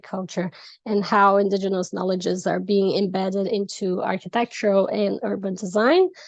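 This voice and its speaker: A woman talks at a moderate pace with a Portuguese accent. Her medium pitch carries fairly even intonation. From southern Brazil. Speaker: architecture researcher. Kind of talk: conference presentation. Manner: hesitant, many fillers.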